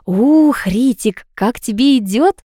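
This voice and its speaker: A woman's voice: fairly high pitch, expressive, slow, warm tone, no room sound, studio quality, voice pushed up. A woman reading an audiobook voices a playful, dreamy young woman, the narrator's best friend. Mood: cheerful.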